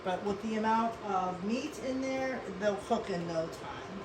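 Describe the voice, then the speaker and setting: A woman's voice: mid-range voice, a little slow. A woman born in South Korea and raised in Western Pennsylvania, hosting a casual cooking show from her kitchen in a chatty, rambling way. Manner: chatty, rambling, addresses viewers as folks. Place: home kitchen. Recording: echoey room, faint noise.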